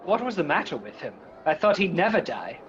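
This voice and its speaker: Man playing a bright, animated Victorian gentleman. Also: on the high side, brisk, dull audio, slight background noise. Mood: callous amusement. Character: lively, mocking Victorian gentleman. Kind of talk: theatrical radio drama acting.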